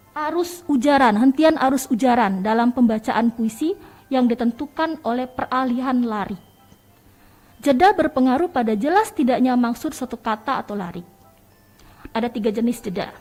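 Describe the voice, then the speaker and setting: A woman teacher giving a radio lesson, explaining step by step and addressing her listeners warmly as children. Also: fairly high pitch, expressive, moderate pace, long pauses, faint music behind. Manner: explains step by step, calls listeners "nak" and "sayang".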